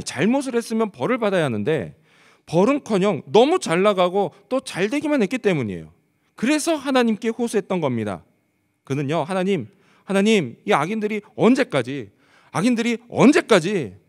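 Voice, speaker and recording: Long reverb fills the church sanctuary as a man preaches, his voice a little high and a little mellow. As pastor, he puts rhetorical questions to the congregation and answers each one.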